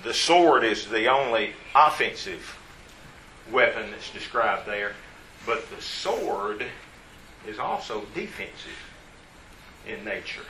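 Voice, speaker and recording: A man's voice: lowish voice, animated, slow, long pauses, bright, forceful tone, slight background noise, poor audio. A man preaching a Bible study sermon, stressing key words by repeating them and putting questions to his listeners.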